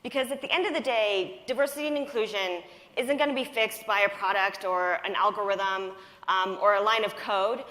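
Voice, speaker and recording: Earnest woman speaker raised in the US, Japanese as first language, mid-pitched, conference panel in a reverberant hall. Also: moderate pace, a bit bright. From United States. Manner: earnest, conversational, with frequent um and uh. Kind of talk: conference talk.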